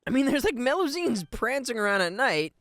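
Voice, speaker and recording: A man's voice: very high-pitched, big pitch swings, fairly quick, a bit bright. A man giving casual, enthusiastic livestream commentary on a video game, tossing in slangy asides. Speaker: game streamer, voice actor. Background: faint game music.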